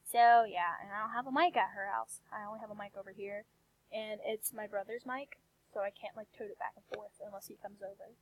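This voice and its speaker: A woman's voice: mid-range voice, steady tone, brisk, poor audio. A young woman chatting casually to viewers as an amateur video maker, crude and self-mocking.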